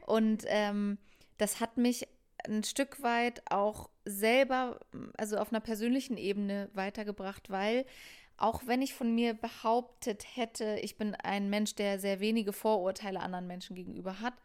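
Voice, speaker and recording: A woman's voice: medium pitch, fairly even intonation, moderate pace, a little mellow, clean tone. A woman from Hamburg, a musician being interviewed, talking thoughtfully with many fillers. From Hamburg, Germany. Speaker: musician guest. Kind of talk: casual interview conversation.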